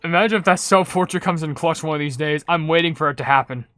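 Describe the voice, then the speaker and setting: A man gives casual commentary on a game. His voice is on the high side and recorded dry, with music behind it. He rambles, stammers over his words and drops in playful asides. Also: fast, a bit bright, no room sound. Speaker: gaming video host.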